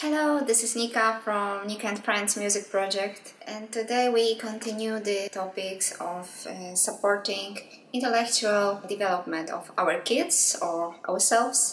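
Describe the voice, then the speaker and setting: With a Polish accent, a woman talks at a fairly slow pace in a medium pitch with ordinary pitch variation, amid noticeable background noise and audible room echo. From Poland. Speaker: musician and parent vlogger. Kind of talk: video monologue. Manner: halting.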